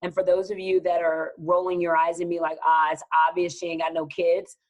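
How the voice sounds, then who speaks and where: A woman from Texas with a Southern accent, speaking as a guest in a podcast interview with an energetic, emphatic, motivational way of talking. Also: on the low side, fairly quick, rough recording. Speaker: guest business advisor.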